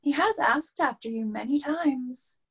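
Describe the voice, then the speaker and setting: A woman's voice: high voice, a little slow. A young woman playing a flustered, theatrical opera performer in a staged reading. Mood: coy. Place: plain room, video call.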